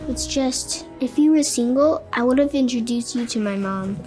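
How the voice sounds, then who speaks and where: A woman's voice: a little high, normal speed, darkish tone, close to an everyday voice. A woman voicing a curious, chatty little boy who is a hospital patient, talking sweetly and earnestly. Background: music.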